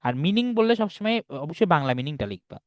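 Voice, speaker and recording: A man's voice: fairly high pitch, very animated, fast talker, no echo. Patient male teacher on a video call. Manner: explains patiently, keeps checking students follow. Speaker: English teacher. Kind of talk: online class lesson.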